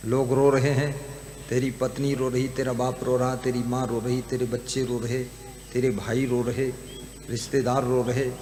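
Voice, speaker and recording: A man's voice: mid-range voice, level tone, moderate pace, darkish tone, close to an everyday voice. A man playing a playful holy man who teasingly coaxes a dead neighbor to get up and do his chores. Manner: teasing, coaxing a corpse to get up. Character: saint Kabir, playful middle-aged holy man. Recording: roomy hall with music behind.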